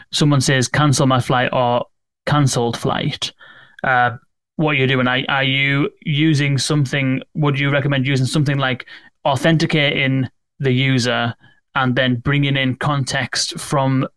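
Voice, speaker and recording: A man's voice: mid-range voice, fairly even intonation, measured pace, a bit bright, smooth, no echo. A man hosting an interview, asking long, rambling questions. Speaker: podcast host. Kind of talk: conversational interview.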